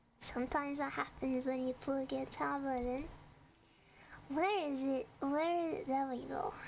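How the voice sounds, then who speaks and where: Over noticeable background noise, a woman speaks at a moderate pace with high pitch, ordinary pitch variation, and very even loudness. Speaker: vtuber streamer. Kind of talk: casual livestream chat.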